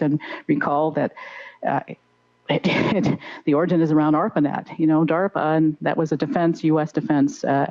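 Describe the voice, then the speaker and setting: A middle-aged woman speaking off the cuff as a conference panelist, in halting but emphatic phrases, into a handheld mic. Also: low-pitched, warm tone, muffled recording. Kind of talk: unscripted panel discussion. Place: on stage in a conference hall. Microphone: handheld microphone.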